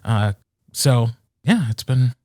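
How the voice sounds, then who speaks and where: An easygoing middle-aged man co-hosting a podcast at a middle pitch. He talks in a wry, relaxed way, with plenty of ums. The recording is close and dry. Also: slow pace, no echo. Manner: easygoing, wry, lots of fillers. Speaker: podcast co-host, audiobook narrator. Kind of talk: casual chat.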